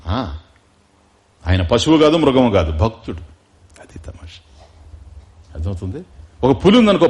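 Lively man telling a devotional story. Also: mid-range voice. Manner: storytelling with questions to listeners, acting out dialogue; slows down for emphasis, chants Sanskrit verses. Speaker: spiritual discourse speaker. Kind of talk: Telugu religious discourse, storytelling.

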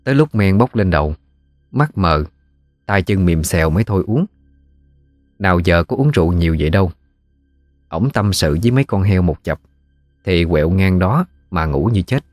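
Deep-voiced Southern Vietnamese male storyteller. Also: expressive, darkish tone, no room sound, clean studio sound, faint music behind. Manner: folksy, unhurried storytelling. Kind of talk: scripted ghost story narration.

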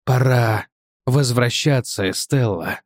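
A man voicing a weary, calm old male professor in an audiobook, low and unhurried. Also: no room sound, studio quality. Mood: gentle. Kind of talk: audiobook character voice.

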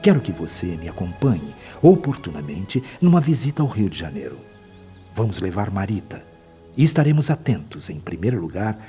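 An actor with a Brazilian accent playing a wise, gentle male spirit mentor in a radio drama, speaking in a measured, solemn, didactic way. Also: lowish voice. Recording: long reverb, music behind.

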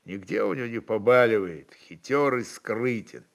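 A man's voice: on the low side, moderate pace. A man narrating a literary story for radio in a dramatic reading style.

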